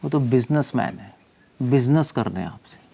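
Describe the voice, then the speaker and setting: A monk giving a scripture discourse, reciting verses slowly and then explaining them in conversational speech mixed with English phrases. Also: male voice, mid-range voice, lively intonation, gravelly, dark tone, husky.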